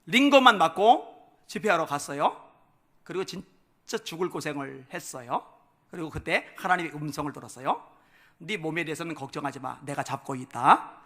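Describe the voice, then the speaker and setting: A male pastor giving a revival sermon in a church, moving from quiet personal stories to loud, shouted preaching. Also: fairly high pitch, expressive, moderate pace. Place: church sanctuary.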